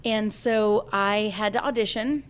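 A woman in her forties talks through a personal story in a relaxed interview, with a voice of ordinary pitch. She brings the tale to life by acting out the people she quotes. It sounds like a singer chatting with friends. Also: measured pace, clean tone. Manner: lively storyteller who acts out quoted voices.

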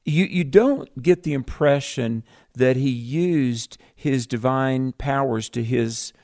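A man co-hosting a call-in radio Bible show, explaining scripture in a measured, teacherly way. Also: mid-range voice, vocal fry, darkish tone.

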